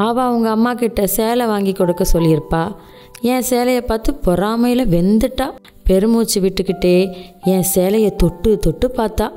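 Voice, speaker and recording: A young woman plays a jealous, suspicious daughter-in-law in a radio drama. She talks in a sarcastic, accusing way, with a dark, mellow voice at a middle pitch. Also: normal speed, clean tone, soft background music, close to an everyday voice.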